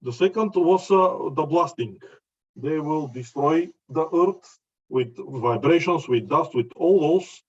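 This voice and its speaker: A man from Bulgaria with a Bulgarian accent gives a conference presentation in halting non-native English, often searching for words. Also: on the high side, lively intonation, husky. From Bulgaria, mining region near Chelopech. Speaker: mining company representative giving a presentation. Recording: slightly dull, lo-fi audio.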